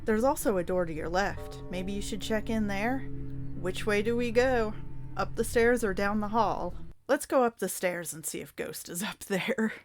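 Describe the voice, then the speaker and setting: A woman's voice: medium pitch, normal speed. A woman reading a storybook aloud expressively as host, with playful, dramatic asides to the listener. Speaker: host reading a choose-your-own-adventure book aloud. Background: music under the voice.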